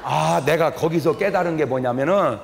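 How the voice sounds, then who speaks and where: A man's voice: a little high, moderate pace, vocal fry, slight background noise. An older man preaching a humorous revival sermon as a pastor, telling folksy stories, quizzing the audience and acting out family quarrels. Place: large church hall. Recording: echoey hall with long reverb.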